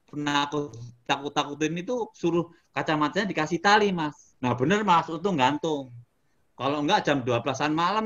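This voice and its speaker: A middle-aged man from Indonesia, a motivational speaker telling a story in a casual interview, animated and breaking into sudden shouts. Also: a little high, dull audio.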